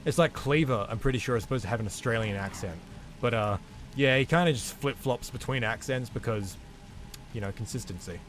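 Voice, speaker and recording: A man's voice: mid-range voice, a little fast, soft background music. A man live-streaming a game, chatting casually and reading viewer comments aloud in a laid-back way. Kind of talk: casual live-stream chat while gaming.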